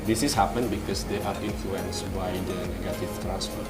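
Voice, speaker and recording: Indonesian-accented man explaining, low voice. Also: steady tone, a little fast, echoey room, over loud music. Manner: patient, explanatory, asks and answers his own questions. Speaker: English teacher. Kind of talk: explaining in a casual interview. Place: outdoor patio with trees. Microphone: studio mic on a stand.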